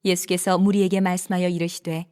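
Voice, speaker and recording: A woman narrating scripture for an audio Bible drama, telling the story in a steady, even way. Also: fairly low pitch, brisk, smooth.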